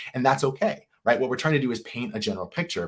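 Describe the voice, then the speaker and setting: Somewhat breathy and at a very fast pace, a man speaks at a medium pitch on a very clean recording with a silent background. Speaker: startup advisor, livestream host. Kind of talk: live stream Q&A advice talk. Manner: hesitant fillers, repetitions.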